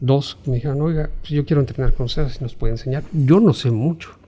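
Here is a man with a fairly high pitch. His tone is dark and mellow. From Mexico City. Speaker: mountain biker. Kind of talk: casual interview.

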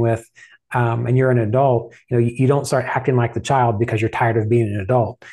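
Against a quiet background, a man with an American accent talks at a very fast pace in a dark, mellow, somewhat breathy voice of medium pitch, with monotone, flat intonation. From US South, West Virginia. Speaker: astrology teacher and author. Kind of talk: interview.

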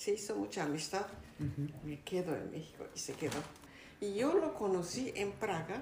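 With a Japanese accent, a woman talks at a medium pitch and a moderate pace, her intonation lively. Audible room echo and noticeable background noise fill the recording. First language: Japanese (speaking Spanish). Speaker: violinist and music teacher. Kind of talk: interview.

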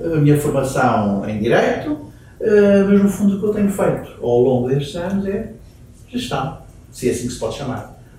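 A man with a fairly high pitch, long and frequent pauses, audible room echo and noticeable background noise. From Portugal. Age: 60s. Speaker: beer company executive. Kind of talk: interview.

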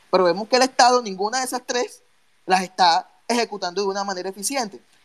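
The sound is dry and close, with no echo. A man speaks at a fairly quick pace with ordinary pitch variation. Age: 20s. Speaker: political video maker and activist. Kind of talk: online panel discussion. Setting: online audio room.

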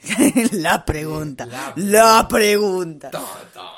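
A man's very slow speech with lively intonation. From Costa Rica. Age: 30s. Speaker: podcast co-host. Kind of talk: casual chat.

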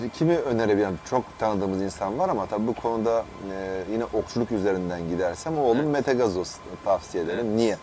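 Talking at a very fast pace, a man with a fairly low pitch uses ordinary pitch variation. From Turkey, Sakarya. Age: 40s. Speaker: archery coach and PE teacher. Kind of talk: interview.

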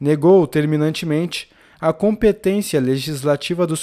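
Over a silent background in a very clean recording, a man speaks at a fairly slow pace in a dark, mellow tone with ordinary pitch variation. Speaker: podcast narrator reading books aloud. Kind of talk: reading aloud.

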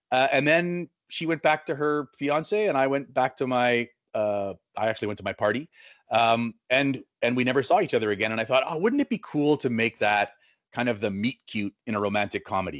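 With a Manitoban accent, a man talks at a fairly quick pace and medium pitch with lively intonation, the sound dry and close with no echo against a quiet background. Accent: Canadian (Manitoba). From Winnipeg, Canada. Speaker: filmmaker. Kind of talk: guest talk to students. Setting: video call.

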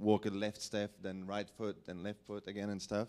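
Here is a man with a normal speaking voice and a fairly low pitch. He talks at a moderate pace on a very clean recording with a silent background. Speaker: church member. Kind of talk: sermon. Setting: church.

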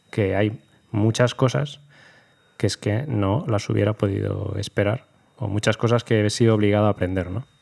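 On a very clean recording with a silent background, the sound is dry and close with no echo. A man speaks at a fairly low pitch with vocal fry and fairly even intonation. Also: moderate pace. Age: 30s. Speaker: podcast host. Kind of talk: casual chat.

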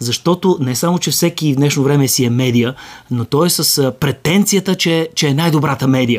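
Here a man is talking. He has an ordinary speaking voice. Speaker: former radio host. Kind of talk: casual chat.

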